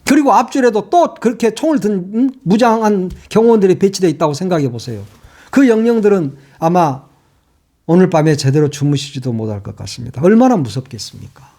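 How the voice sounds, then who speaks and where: A man's voice: high-pitched, big pitch swings, brisk, mellow. An older man, a former broadcast reporter, giving angry political commentary on his channel, cursing and firing rhetorical questions.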